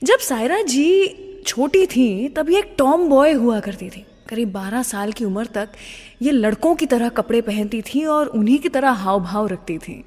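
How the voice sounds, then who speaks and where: A woman's voice: on the high side, animated, unhurried, darkish tone, faint music behind. A woman with an Indian accent presenting a radio show in a dramatic storytelling manner, mixing in some English phrases. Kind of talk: radio presenting, opens with poetry. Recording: long reverb on the voice.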